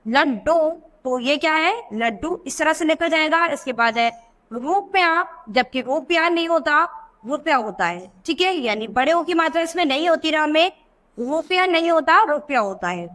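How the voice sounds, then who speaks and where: A woman's voice: high-pitched, expressive, moderate pace, hardly any pauses, a bit bright. A woman teacher giving a grammar lesson to young schoolchildren, explaining patiently, repeating each word and asking the class questions.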